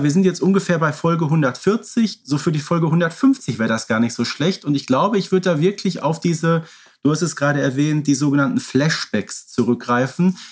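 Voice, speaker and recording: A man co-hosting a casual fan podcast, speaking in a measured, appreciative way. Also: fairly high pitch. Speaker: podcast co-host.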